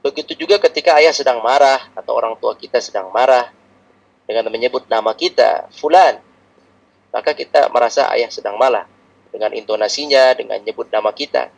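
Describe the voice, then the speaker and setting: A man preaching a religious lecture in a calm, explanatory teaching manner, repeating his points often. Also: mid-range voice, fairly quick, vocal fry, poor audio.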